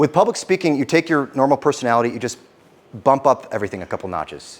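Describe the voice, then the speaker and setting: A man speaks at a very fast pace in an animated, intense tone. His intonation is lively. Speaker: public speaking coach. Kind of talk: workshop talk to small audience. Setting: in front of small live audience. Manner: animated, varied pitch and volume.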